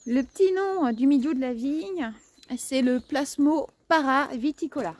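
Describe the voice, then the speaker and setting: A woman's voice: high voice, a little slow, a little mellow, no echo. A woman hosting a casual gardening video outdoors, chatty and playful, tripping over words and laughing at herself. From France.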